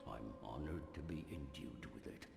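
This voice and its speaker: A man playing a hearty, gruff old blacksmith in a fantasy video game, with deep gravelly voice and jovial archaic speech. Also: normal speed, noisy background, exaggerated voice. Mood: hearty, pleased. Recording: echoey reverberant game audio with loud music.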